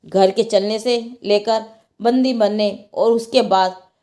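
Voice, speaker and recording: A woman narrating a scripted moral religious tale in an expressive, dramatic storytelling manner. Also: mid-range voice, slow pace.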